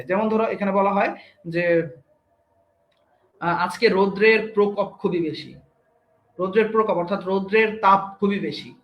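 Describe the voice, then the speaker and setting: A man's voice: high voice, a bit bright, roomy sound. A young man teaching an online grammar class, explaining step by step and quizzing his students.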